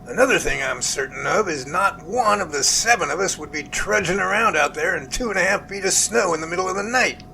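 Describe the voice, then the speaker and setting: A man playing a jovial, earnest research professor in an amateur audio drama, with animated, folksy phone talk. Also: sits high, brisk, gravelly, hardly any pauses, a little hiss or hum, exaggerated voice, poor audio. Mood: thoughtful.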